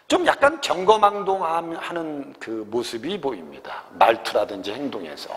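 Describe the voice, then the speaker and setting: A man's voice: high-pitched, in a large hall, a little hiss or hum. A man teaching Korean literature in an exam-prep lecture, acting out character lines and often asking the students whether they follow. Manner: acts out character lines in a mocking voice, asks checking questions.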